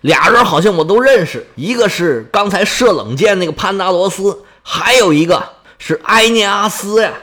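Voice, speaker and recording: A man's voice: high-pitched, animated, normal speed, few pauses, sharp tone, full character voice. A man doing a nervous young charioteer. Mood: worried. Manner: anxious, urging caution. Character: cautious young male charioteer.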